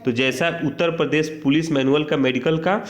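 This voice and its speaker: A man's voice: on the high side, fairly even intonation, normal speed. A man giving an informal instructional walkthrough as a coaching teacher, reading out details and commenting, with frequent check-in tags. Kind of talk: informal explainer of a job notice, reading and commenting.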